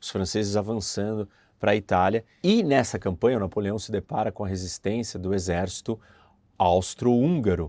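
Over a silent background in a very clean, dry, close recording with no echo, a man talks at a moderate pace in a fairly low pitch, his tone dark and mellow, with ordinary pitch variation. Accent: Brazilian. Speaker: history YouTuber and teacher. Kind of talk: history lecture.

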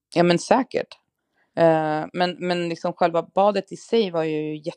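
The sound is dry and close with no echo, over a quiet background. A man has an ordinary speaking voice, fairly high in pitch, with ordinary pitch variation and a fairly slow pace. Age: 40s. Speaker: podcast co-host. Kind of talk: casual chat.

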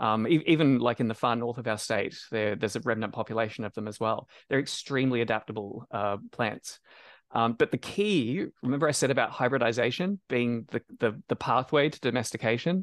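A man with an Australian accent talks at a fairly quick pace and medium pitch with ordinary pitch variation, the sound dry and close with no echo against a quiet background. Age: 40s. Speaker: experimental farmer and science fiction author. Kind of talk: casual chat.

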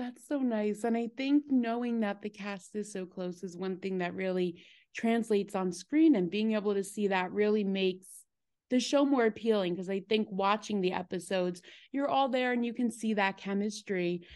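In an ordinary speaking voice, a woman with an American accent talks at a moderate pace, with medium pitch and ordinary pitch variation, over a quiet background. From New Jersey, US. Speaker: podcast host. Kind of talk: interview.

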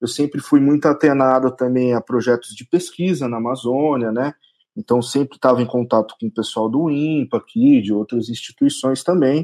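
A man's dark, mellow tone at a moderate pace, with ordinary pitch variation and a dry, close sound with no echo. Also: medium pitch for a man. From Brazil, São José dos Campos (São Paulo state interior). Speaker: photojournalist. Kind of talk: interview.

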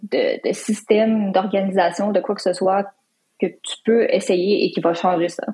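A woman speaks at a fairly slow pace with medium pitch and a dark, mellow tone. Her voice is somewhat breathy, with monotone, flat intonation. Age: 20s. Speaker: lawyer and entrepreneur. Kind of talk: interview.

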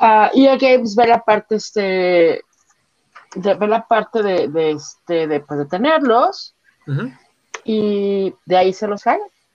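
A woman speaks at a fairly high pitch with lively intonation. Her pace is very slow. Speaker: podcast co-host. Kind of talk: casual chat.

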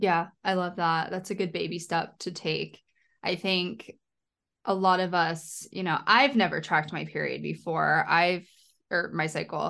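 Vocal fry colors a woman's bright, sharp tone and fairly low pitch, her intonation fairly even. She talks at a fairly slow pace against a quiet background. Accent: American. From Philadelphia, US. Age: 20s. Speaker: podcast host, dietitian. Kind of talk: casual interview chat.

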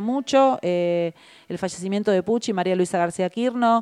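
A woman's normal speaking voice with lively intonation at a moderate pace, dry and close with no echo. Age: 50s. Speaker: radio host. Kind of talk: radio talk show. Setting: radio studio.

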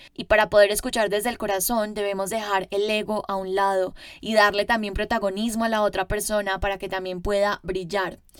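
A woman's monotone, flat delivery with hardly any pauses. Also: medium pitch for a woman, fairly quick pace. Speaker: podcast host, dream and manifestation mentor. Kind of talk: motivational monologue.

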